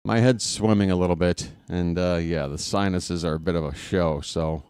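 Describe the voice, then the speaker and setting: A man's voice: sits low, normal speed, clear, resonant tone, no room sound, clean studio sound. A man hosting a live baseball stream, talking casually with lots of fillers while congested from sinus trouble. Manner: chatty, relaxed, many "uh" fillers. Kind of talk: casual pregame commentary.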